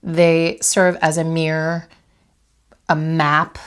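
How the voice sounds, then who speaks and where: A young adult woman hosting a vlog from her bedroom, speaking slightly nasally because of a head cold, in a calm, reflective coaching tone that asks the viewer direct questions. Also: low-pitched, slow, smooth. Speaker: vlog host and interior designer. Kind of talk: motivational talk to camera.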